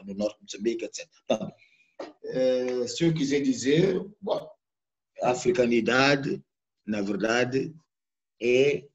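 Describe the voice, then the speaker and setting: A Mozambican man with a Mozambican Portuguese accent, a poet and sociologist giving a reflective talk over a live video call, pausing to search for words. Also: mid-range voice, darkish tone, lo-fi sound. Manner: searching, repeats words while thinking. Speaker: guest speaker, poet and sociologist. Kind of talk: reflective lecture-style talk. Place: home, live online talk. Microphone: computer or phone mic on a video call.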